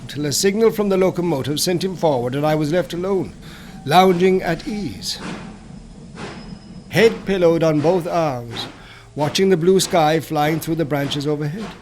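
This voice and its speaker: A man's voice: on the high side, normal speed, a little mellow, slight background noise. A man reading a classic horror tale as a scripted, dramatic audiobook narration.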